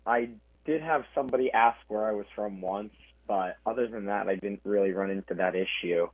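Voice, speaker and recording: A man's voice: fairly low pitch, a little fast, no room sound. A young man answering interview questions over a phone line, earnest and plain-spoken. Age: young adult. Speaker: guest.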